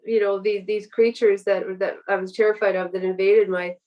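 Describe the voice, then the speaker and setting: A woman's voice: medium pitch, flat delivery, moderate pace, distant mic, dull audio. A woman guest author speaking on a literary podcast. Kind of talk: literary reading and podcast conversation.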